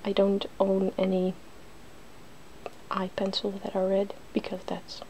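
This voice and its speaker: A woman speaks in a hushed ASMR style while demonstrating makeup. Her voice is mellow and relaxed with plenty of vocal fry, and it often drops into a whisper. A faint layer of noise sits behind her. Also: mid-range voice, a little slow, poor audio. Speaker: ASMR video host.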